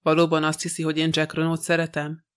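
A man's voice: on the high side, monotone, fairly bright tone, smooth, natural voice. A man voicing a frightened, passionate young woman in an audiobook, pleading and tearful. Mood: whispering.

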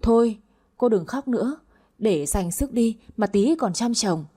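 Woman reading a calm rich man, measured and kind; warm, husky voice. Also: a little high. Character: wealthy calm man, the buyer. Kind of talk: storytelling narration.

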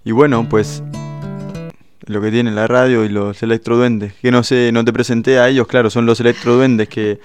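A man's voice: mid-range voice, flat delivery, moderate pace, darkish tone, smooth, soft background music. A man hosting a radio show from a studio, talking in a playful, hesitant way with lots of restarts. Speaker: radio host. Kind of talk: casual radio chat. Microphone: studio microphone.

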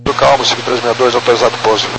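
A man's voice: medium pitch, flat delivery, rapid-fire, music in the background. A man speaking as a pilot, making short readbacks over aviation radio. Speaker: airline pilot. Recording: very noisy cockpit radio transmission.

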